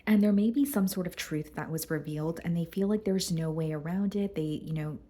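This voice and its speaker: A woman doing a casual tarot reading, going hoarse and clearing her throat as she talks through the cards with some hesitation. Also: fairly low pitch, normal speed, mellow. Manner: careful, hesitant, repeats words. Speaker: tarot reader.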